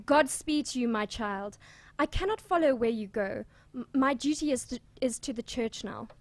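A woman's voice: a little high, lively intonation, normal speed, dry recording. A woman playing a pious, motherly nun in an audio drama, soothing and hesitant, protective of her church. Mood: anxious.

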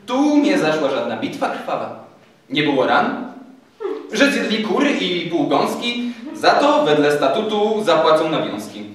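A man playing a calm, measured judge in a stage recitation of verse, heard in an echoey hall from far off. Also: a little high, pitched above the performer's own voice. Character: calm, reasoning older male judge.

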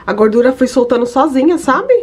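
A woman's voice: sits high, expressive, brisk, a little mellow, slightly rough. A woman with a Brazilian Portuguese accent, in her thirties, chatting casually to her viewers in a home vlog from her kitchen. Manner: chatty, addresses viewers directly. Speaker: vlogger.

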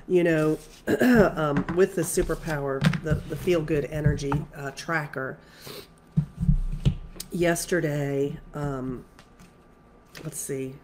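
A woman's voice: deep voice, background noise. A woman spiritual coach who is congested, talking casually and rambling with many fillers and restarts. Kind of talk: casual spiritual talk to camera.

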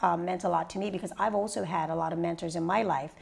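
A woman in her thirties from Bermuda, a radio personality and mentor, telling her story in a sit-down interview with lively, rising energy. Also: quick pace, vocal fry, husky. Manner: lively storyteller, rises high when excited. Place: living room set indoors.

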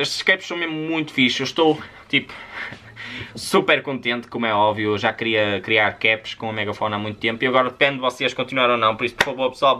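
A young man with a European Portuguese accent speaks quickly in a bright, forceful voice at a medium pitch. He presents like a YouTuber, informal and animated, chatting straight to his viewers with plenty of slang. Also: slight background noise. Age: 20s. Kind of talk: casual chat to viewers. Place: small indoor home studio room.

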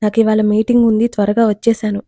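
A woman plays a harried young brother in a storybook tale, pleading and rushed. The voice is dark and warm. The recording is dry and close. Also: medium pitch, flat delivery, no echo, natural voice. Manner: pleading, hurried.

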